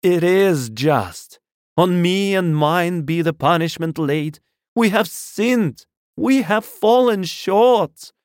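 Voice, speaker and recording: Frenzied doom-preaching curate, raised pitch, loud declamation, wailing fervour, audiobook character, dry sound. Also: male voice, expressive, slow pace, no room sound. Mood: anguished repentance. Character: half-mad, fervent male curate crying doom and repentance.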